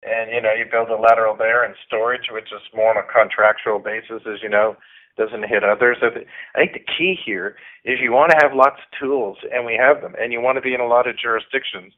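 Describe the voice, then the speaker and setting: A man's voice: mid-range voice, little pitch movement, fairly quick. A man, a company executive, giving informal, emphatic business answers and searching for his words. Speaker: company executive on an earnings call. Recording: dull band-limited conference call audio.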